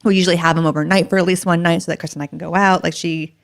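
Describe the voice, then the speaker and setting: A woman co-hosting a podcast, earnest in casual chat and quick with jokes. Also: lowish voice, steady tone, gravelly, no room sound, clean studio sound. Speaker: podcast co-host. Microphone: podcast studio mic.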